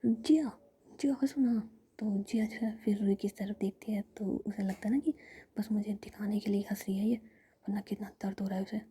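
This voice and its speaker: A woman's voice: medium pitch, monotone, fairly quick, dark tone, slightly rough. A woman whispering as she tells a family story in a casual, retelling style.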